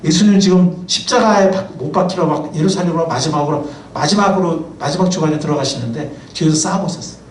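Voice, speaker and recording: A man preaching a sermon, a pastor and professor who talks in a lively, chatty way and keeps asking the congregation questions. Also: on the high side, fast talker, few pauses, slight background noise. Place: church sanctuary. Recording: roomy, distant mic, faint ambience.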